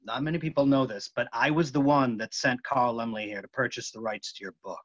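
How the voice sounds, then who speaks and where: A man's voice: mid-range voice, a little fast, natural voice. A man playing an earnest, intense film actor pressing for the truth in a staged reading. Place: room at home, video call. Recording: dull, muffled video-call audio.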